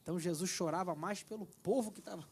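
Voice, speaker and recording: A man's voice: sits high, quick pace, slight background noise. A man hosting a Christian TV talk show, chatty and promotional, joking lightly with his guests. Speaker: TV show host. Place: TV studio.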